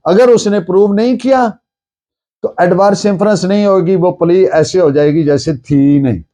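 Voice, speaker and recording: Mellow-voiced Pakistani man lecturing on law. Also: high voice. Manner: didactic, posing questions and answering them; switches to slow, deliberate English for legal phrases. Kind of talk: explanatory law lecture with worked examples.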